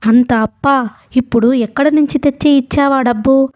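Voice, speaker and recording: A woman voicing a gentle young wife who speaks softly and anxiously, in an audiobook. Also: high-pitched, steady tone, normal speed, dry recording, studio quality, pitched above the performer's own voice, natural voice. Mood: worried.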